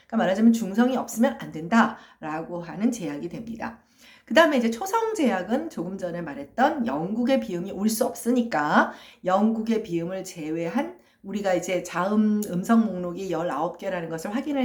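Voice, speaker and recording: A woman lecturing on phonology, explaining step by step with frequent fillers and checking questions to her students. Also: medium pitch. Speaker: university lecturer. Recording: echoey room.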